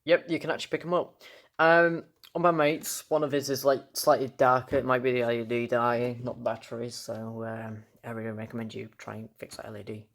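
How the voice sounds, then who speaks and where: A man's voice: mid-range voice, flat delivery, fairly quick, a bit bright. A young man giving a casual, unscripted toy review, rambling enthusiastically and often repeating himself.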